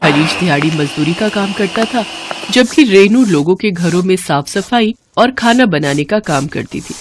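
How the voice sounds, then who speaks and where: A woman's voice: lowish voice, expressive, normal speed, background noise. A woman narrating a scripted family story as a storyteller in Hindi.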